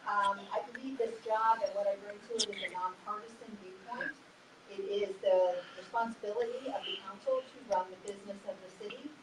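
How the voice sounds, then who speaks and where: A woman's voice: medium pitch, steady tone, a little fast. A middle-aged woman speaks as a council candidate, friendly and businesslike with a light touch of humor. She sounds distant and roomy in a hall, with noise behind her. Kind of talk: prepared opening statement. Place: public meeting hall. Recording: echoey hall, distant mic, background noise.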